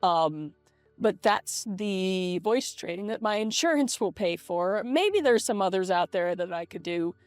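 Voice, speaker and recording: A woman talking casually and haltingly in a personal vlog, reflecting as she goes, her voice processed by a voice changer to sound more feminine. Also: medium pitch, animated, a little mellow, smooth, dry recording. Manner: hesitant, halting, self-reflective. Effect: voice changer making the voice feminine. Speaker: vlogger. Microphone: webcam setup. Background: lo-fi video game music.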